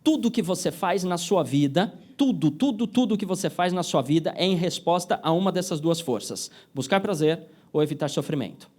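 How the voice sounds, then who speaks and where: A man's voice: sits high, normal speed, hardly any pauses. A man with a Brazilian accent giving an interactive motivational talk, often asking the audience yes or no and acting out little everyday scenes. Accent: Brazilian Portuguese. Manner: lively, asks the audience yes-or-no questions, acts out little scenes.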